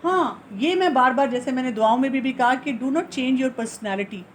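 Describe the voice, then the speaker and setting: Woman with a high voice, earnest counselor giving advice to a listener, answers her own questions, faint hiss behind her. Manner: mixes English phrases into her talk; earnest and instructive. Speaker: family counselor. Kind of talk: advice talk.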